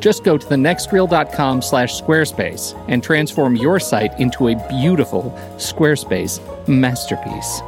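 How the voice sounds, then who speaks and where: A man's voice: medium pitch, expressive, a little slow, few pauses, over music. A man co-hosting a film podcast, reading a scripted sponsor and merch spot in a chirpy, salesy way. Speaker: podcast host. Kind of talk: scripted ad read.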